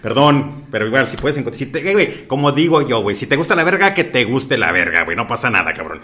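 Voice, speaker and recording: Fast-joking Mexican man, slangy banter. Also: mid-range voice, big pitch swings, sharp tone. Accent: Mexican Spanish. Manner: crude slang-heavy banter, constant swearing fillers. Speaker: podcast host. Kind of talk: casual chat.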